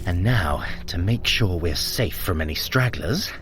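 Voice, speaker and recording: An actor playing a sly, vain trickster god in an audio drama, sardonic and theatrical, sharp-tongued with a fretful edge. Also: male voice, deep voice, expressive, a little slow. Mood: wry, scheming. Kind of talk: audio drama acting, addressing the listener.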